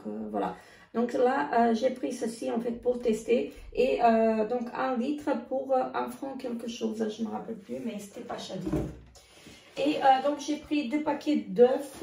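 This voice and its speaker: A woman talks through her groceries in a halting, filler-heavy way, her voice gravelly and losing strength. Her tone is mellow and a little high. She sits back from the mic in an echoey room. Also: recorded from a distance. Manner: hesitant, many filler sounds, halting restarts. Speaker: vlogger. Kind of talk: casual grocery haul vlog.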